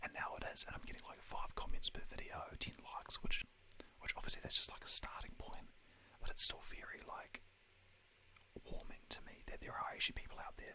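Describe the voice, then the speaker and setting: Whispering in a New Zealand accent, a man moves at a fairly quick pace with long, frequent pauses and big swings in loudness. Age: young. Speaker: ASMR creator. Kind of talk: ASMR casual chat to camera. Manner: whispered.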